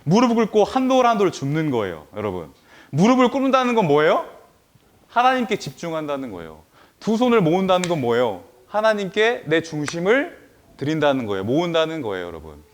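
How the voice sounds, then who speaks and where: An animated male pastor preaching a children's sermon, speaking straight to his listeners with question after question. His voice sits fairly high and swings widely in pitch, often dropping to a soft hush at the end of a phrase. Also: a little fast. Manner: animated, many rhetorical questions, addresses listeners directly; trails off softly at phrase ends.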